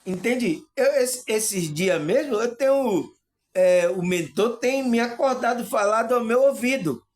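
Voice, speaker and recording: A man's voice: very high-pitched, animated, a little slow. Earnest man talking spirituality. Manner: earnest, repeats "entende" and "né", laughs often. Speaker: spiritual video host. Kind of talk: casual spiritual talk to viewers.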